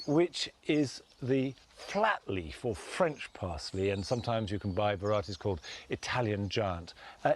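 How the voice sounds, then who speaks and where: A man presenting a gardening show outdoors in a garden, talking gently and with measured enthusiasm. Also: medium pitch, a little hiss or hum. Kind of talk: relaxed instructional garden presenting.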